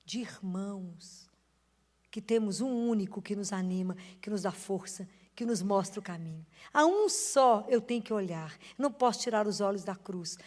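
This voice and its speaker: A woman giving an emotive sermon, swinging her voice up and down and acting out quoted conversations. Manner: emotive, varies pitch and loudness widely, acts out quoted dialogue. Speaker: Christian preacher. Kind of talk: spoken sermon. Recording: long hall reverb.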